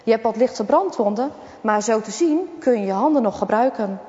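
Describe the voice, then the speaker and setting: A woman voicing a kind, gentle hospital nurse who talks soothingly to a patient. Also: fairly high pitch, expressive, normal speed, lightly acted. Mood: reassuring. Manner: soothing, reassuring. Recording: dull, echoey recording.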